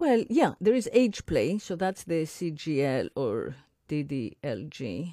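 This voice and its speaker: Over a silent background on a very clean recording, a woman with a Greek accent speaks very slowly in a dark, mellow tone, fairly low in pitch, with vocal fry and very wide pitch swings. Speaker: podcast host, sex writer. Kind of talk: casual conversation.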